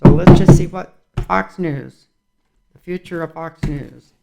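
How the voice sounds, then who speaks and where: A man's voice: high voice, fairly even intonation, unhurried, vocal fry, over loud music. A man reading tarot cards in a casual vlog, rambling and musing aloud as he goes. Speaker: tarot reader.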